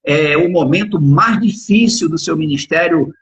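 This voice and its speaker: A middle-aged man hosts an informal live interview in a very raspy, fairly high voice. He speaks haltingly and repeats his words. The sound is dull and lo-fi, like an internet call. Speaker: podcast and radio host.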